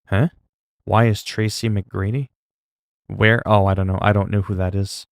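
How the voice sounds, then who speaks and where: Low gravelly streamer. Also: male voice, flat delivery, normal speed, dry recording, studio quality. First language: French. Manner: rambling, self-talk with laughs and asides. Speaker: gaming streamer. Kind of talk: casual gameplay chat.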